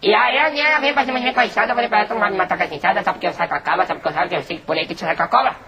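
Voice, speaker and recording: A man voicing a rambling caretaker witness whose voice is disguised deeper, like a hidden TV witness. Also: pushed and bright, dull audio, slight background noise. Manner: rambling, rushed. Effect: disguised deep voice, hidden like a TV witness.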